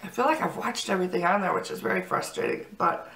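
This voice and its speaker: A woman's voice: fairly low pitch, quick pace, a bit bright, reverberant, recorded from a distance. A woman in her thirties, congested from a cold, chatting upbeat to camera about her monthly favorites. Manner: chatty, upbeat, lots of fillers. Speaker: vlogger. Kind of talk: casual chat to camera.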